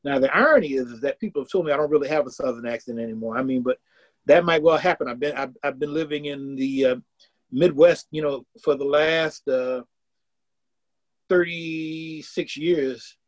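A man's voice: on the high side, normal speed. A man around sixty, from the American South, speaking earnestly as an academic guest in a casual interview and restarting phrases as he thinks aloud. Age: about 60.

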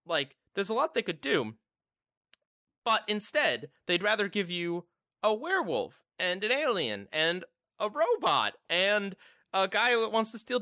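Male podcast host, casual chat, bright forceful tone, swoops all over while he rants. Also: sits high, dry recording, studio quality. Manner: animated, exasperated ranting full of "like".

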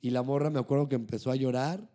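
This young podcast guest talks quickly at a medium pitch, his Mexican Spanish accent coming through as he tells personal anecdotes casually. He animates his stories by performing others' lines himself.

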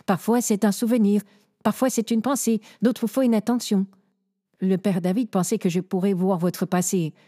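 An actress playing a gentle, troubled young psychic in an audio drama, speaking softly and hesitantly. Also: female voice, medium pitch, steady tone, normal speed, dry recording, studio quality, lightly acted. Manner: soft and hesitant.

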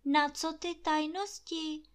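A woman's voice: high-pitched, fairly even intonation, voice pushed up, lightly acted. A woman voicing an outspoken young village girl in a storybook reading. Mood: indignant. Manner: indignant, outspoken.

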